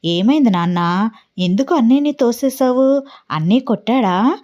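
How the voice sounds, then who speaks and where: A woman voicing a doting young father who coaxes and spoils his little daughter in a fond, gentle way, as part of a read-aloud story. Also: on the high side, animated, a little slow, lo-fi sound.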